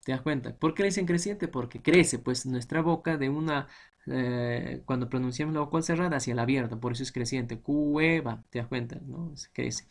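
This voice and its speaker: A man's voice: mid-range voice, fairly quick, vocal fry. A man teaching a grammar lesson to students, explaining patiently and often checking that they follow.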